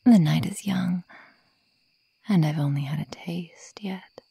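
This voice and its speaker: A woman voicing a sadistic young female werewolf in a slow ASMR roleplay, whispery and breathy, taunting and menacing her prey. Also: lowish voice, dark tone, full character voice. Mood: cruel, playful. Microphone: close microphone, dry.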